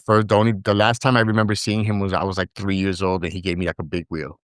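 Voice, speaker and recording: Low, smooth-voiced man telling stories. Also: little pitch movement, fast, dry recording, clean studio sound. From Brooklyn, New York, with years in Puerto Rico. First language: Spanish. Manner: rambling, frequent fillers and restarts. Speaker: podcast guest, digital media founder. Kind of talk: casual storytelling interview.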